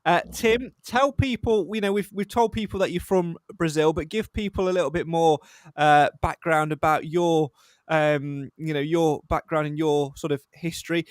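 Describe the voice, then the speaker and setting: Casual podcast host, man, fairly high voice, close dry sound, chatty with lots of "uh"s. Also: moderate pace, no room sound. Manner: chatty, self-deprecating, with frequent fillers. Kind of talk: casual live podcast hosting.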